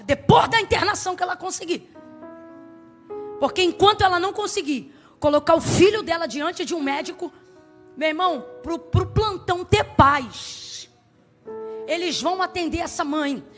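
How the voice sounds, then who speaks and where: A woman preaches with a very high voice, emphatic and dramatic, dropping soft and then rising loud. She calls on the congregation to answer her, with faint music underneath. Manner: asks the congregation to respond. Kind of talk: sermon.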